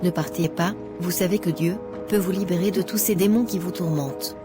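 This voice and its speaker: A woman's voice: on the low side, a little fast, lightly acted. A woman voicing a self-righteous, impatient young Christian woman in a cartoon, lecturing in a preachy way over music. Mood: preachy, stern. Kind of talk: scripted cartoon dialogue. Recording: music behind the voice.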